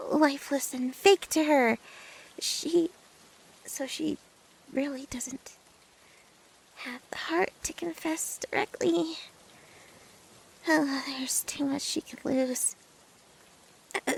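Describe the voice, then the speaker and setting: A woman's voice: high voice, vocal fry, exaggerated voice, low-quality recording. A woman playing a nervous, lovestruck girl best friend in an ASMR roleplay, stammering and hesitant, often dropping toward a whisper. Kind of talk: ASMR roleplay acting, addressed to the listener.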